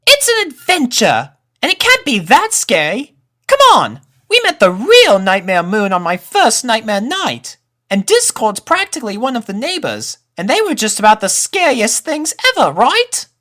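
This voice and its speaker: A man voicing an excitable, adventurous young colt pony in a storybook reading, with a boyish, eager, emphatic manner. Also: very high-pitched, moderate pace, voice pushed up, heavily acted. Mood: eager, persuasive.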